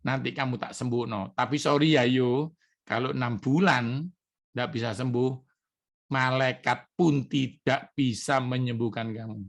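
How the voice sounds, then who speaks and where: A man's voice: mid-range voice, vocal fry, a bit bright. A middle-aged man from Indonesia, a pastor preaching an emotional testimony sermon to his congregation. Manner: emotional, addresses congregation as brothers and sisters.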